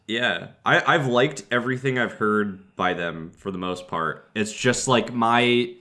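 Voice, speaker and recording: Joking young podcast co-host. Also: male voice, medium pitch, pushed and bright. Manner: joking, quick, laughs often. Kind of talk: casual chat.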